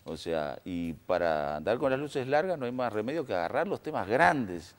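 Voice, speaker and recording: A Uruguayan man with a very low voice that still rises and falls a lot as he weighs his points. He talks in a measured panel style, pausing on fillers as he thinks. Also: big pitch swings. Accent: Uruguayan Spanish. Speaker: political analyst. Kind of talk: panel discussion.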